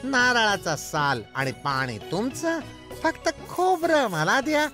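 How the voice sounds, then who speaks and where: A woman's voice: fairly high pitch, big pitch swings, takes it slowly, bright, forceful tone, exaggerated voice. A woman voicing a penny-pinching, foolish cartoon husband who wheedles and haggles in a whiny, exaggerated way. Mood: eager, haggling. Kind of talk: animated children's story acting. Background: clear background music.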